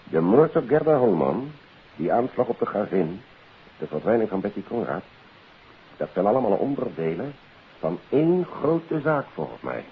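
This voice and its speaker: An actor playing a businesslike, deliberate police investigator in a 1950s radio detective drama. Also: male voice, fairly low pitch, very animated. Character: matter-of-fact male police investigator reporting on a case. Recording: hissy, tinny 1950s radio recording.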